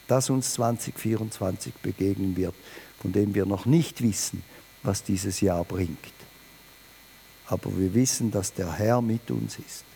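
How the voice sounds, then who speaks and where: A man preaching a New Year sermon, emphatic and lively, speaking directly to his listeners. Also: gravelly, a little hiss or hum. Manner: lively, emphatic, varies pitch and volume, addresses listeners directly.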